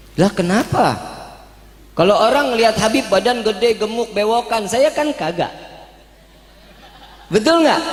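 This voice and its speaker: In a Jakarta accent, a man with a high pitch and an animated tone speaks fairly slowly, with ordinary pitch variation, long, frequent pauses and noticeable background noise. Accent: Betawi. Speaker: Islamic preacher. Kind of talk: humorous sermon. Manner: casual slangy.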